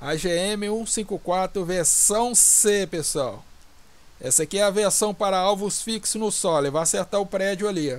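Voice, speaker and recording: A man's voice, high in pitch, with ordinary pitch variation and a fairly slow pace. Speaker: gaming video creator. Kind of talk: gameplay commentary. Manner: casual, relaxed.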